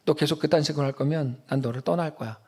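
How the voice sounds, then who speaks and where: A man preaching voices God speaking to a man, in a low, quiet, measured voice. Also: breathy edge. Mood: cold. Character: God speaking, stern then fatherly.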